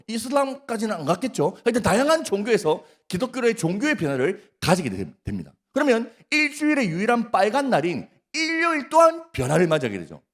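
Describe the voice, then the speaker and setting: A male pastor with a Gyeongsang accent preaching a sermon at a prayer meeting, often putting questions to the congregation and teasing them. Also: sits high. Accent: Gyeongsang Korean. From Gyeongsang region, Korea. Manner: questions the congregation, prompts replies, jokes. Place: church.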